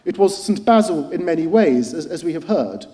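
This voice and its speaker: Middle-aged academic, high mellow voice, formal lecture with hesitant "uh"s, reverberant hall. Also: male voice, expressive. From United Kingdom. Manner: measured and articulate, with frequent hesitant "uh"s. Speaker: historian giving a lecture. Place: lecture hall at a cultural centre. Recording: long reverb of a large hall.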